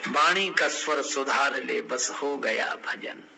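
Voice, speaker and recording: A man's voice: mid-range voice, slow pace, creaky, background noise. An older man giving a devotional sermon, telling scripture stories, acting out quoted dialogue and breaking into chanted verse. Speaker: Ram Katha preacher.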